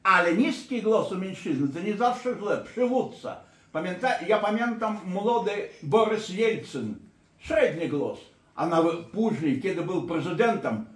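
A man working as a therapist and court expert, giving a lecture-style talk in an emphatic, digressive way. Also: high-pitched. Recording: echoey room.

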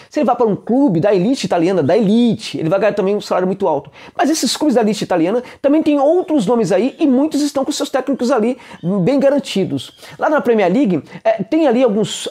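Husky, fast-talking Brazilian man vlogging. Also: sits high. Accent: Brazilian Portuguese. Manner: animated, emphatic, gestures with hands, many fillers. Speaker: football commentator. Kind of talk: casual vlog commentary. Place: indoor room with bookshelves. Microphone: clip-on lapel mic.

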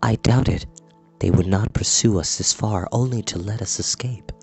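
Male reader as tired fantasy warrior, lowered voice, grave, stern, measured, storybook tale, light music behind. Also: a little mellow, husky. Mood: grave, weary. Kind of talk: dramatised audiobook reading.

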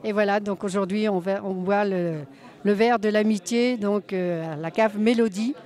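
A woman's voice: mid-range voice, steady tone, moderate pace, darkish tone. Woman in her sixties, plain-spoken. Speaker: deputy mayor. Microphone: handheld mic.

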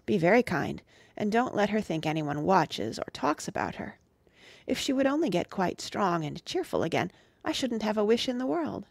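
A woman voicing a gentle, loving middle-aged mother in an audiobook, soft-spoken and tender. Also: mid-range voice, big pitch swings, moderate pace, gravelly, no room sound. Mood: earnest. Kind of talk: audiobook reading.

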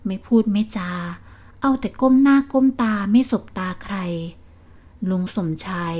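Soft-spoken woman narrating a bedtime story. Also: mid-range voice, a little slow. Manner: soft, subdued, gentle.

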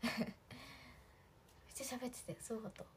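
A woman's voice: a little fast, a little hiss or hum. A young woman chatting casually on a livestream, giggling often and talking to viewers' comments. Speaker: idol livestream host.

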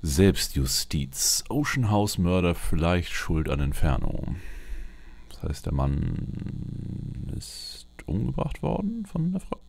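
Very deep, gravelly man. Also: big pitch swings, slow pace, a little mellow. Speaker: let's player. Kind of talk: in-character game commentary, casual chat. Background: video game ambience.

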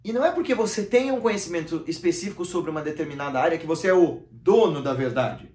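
A man in his thirties from Brazil, hosting his channel with an expressive, gesturing monologue to camera from a room with bookshelves. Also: fast. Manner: expressive, gesturing, shifting volume and pitch often. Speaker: channel host. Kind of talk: animated philosophical monologue to camera. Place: small room with bookshelves, seated in armchair. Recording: roomy echo.

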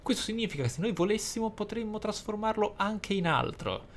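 A man hosting a roleplay let's play, speaking in deliberate, formally worded, articulate commentary. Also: high voice, expressive. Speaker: gamer, let's play host. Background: video game ambience.

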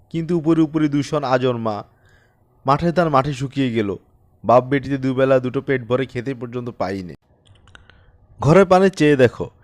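A man's voice: medium pitch, no room sound, lightly acted. A desperate, humble peasant from a storybook, played by a male narrator. He begs plaintively and defers to his betters. The recording is dry. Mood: ashamed, pleading. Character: poor, humble peasant father, desperate and pleading. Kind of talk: dramatized audiobook storytelling.

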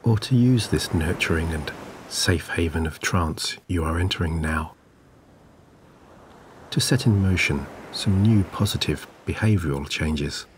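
A man narrating a scripted guided sleep meditation in a soothing, gentle, measured way. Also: deep voice, slight background noise. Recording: clear background ambience of waves. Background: relaxing ocean wave sounds.

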